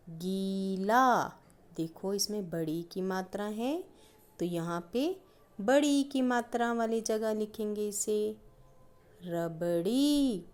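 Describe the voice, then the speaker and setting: A woman teaching young pupils at an unhurried, measured pace. She speaks patiently and draws out every example word so the children can hear each sound. Her voice sits at an ordinary middle pitch. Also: mellow. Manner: slow, drawn-out stressing of each example word. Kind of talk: primary-school grammar lesson.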